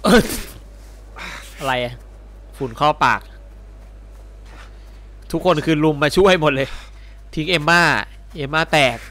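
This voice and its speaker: Hyped gamer guy narrating his playthrough, high bright voice that jumps around. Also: takes it slowly, long pauses, slight background noise. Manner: excitable, reacts loudly and swears. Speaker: game streamer. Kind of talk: let's play commentary.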